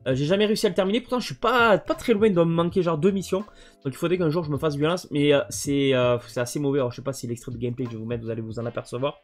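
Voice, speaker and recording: A man's voice: on the high side, very fast. A man casually presenting his video game collection, hesitant and full of fillers. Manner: hesitant, many fillers and restarts.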